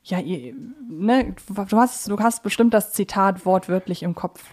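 A woman speaks as a podcast co-host in casual, reflective conversation. Her pitch sits in the middle of the female range. She pauses to find the right word and often rephrases what she has begun. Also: darkish tone. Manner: hesitant, searching for words, self-correcting. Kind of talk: casual analytical podcast chat.

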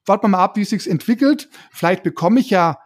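A man's voice: high-pitched, lively intonation, fast talker. A man from Germany explaining things as a podcast co-host in colloquial, casual talk with everyday examples.

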